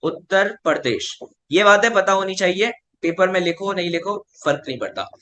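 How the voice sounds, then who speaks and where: A man teaching an online class in Urdu with a Pakistani accent, his voice pitched high. He keeps asking questions and answering them himself, and a faint hum of room noise sits behind him. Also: normal speed, sharp tone.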